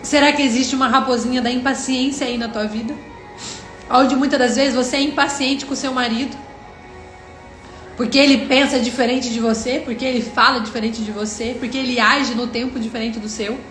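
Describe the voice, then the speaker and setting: A woman's voice: a little high, steady tone, brisk, fairly bright tone. A Brazilian woman giving an earnest devotional on a live stream, talking straight to her viewers and retelling what God said to her. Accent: Brazilian Portuguese. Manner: earnest, addresses viewers directly, quotes God in dialogue. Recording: echoey room with faint music.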